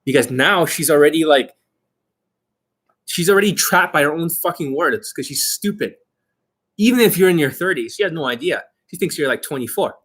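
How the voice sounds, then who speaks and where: Man, somewhat high voice, husky and rough-edged, brash dating coach, informal monologue, boastful, emphatic. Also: animated, moderate pace, a bit bright. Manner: brash, boastful, heavy swearing; acts out mock exchanges, emphatic.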